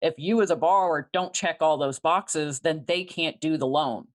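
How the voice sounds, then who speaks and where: A woman who is a private money lender, speaking as an interview guest and explaining things clearly and methodically. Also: low-pitched, normal speed. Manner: articulate, methodical, explains step by step.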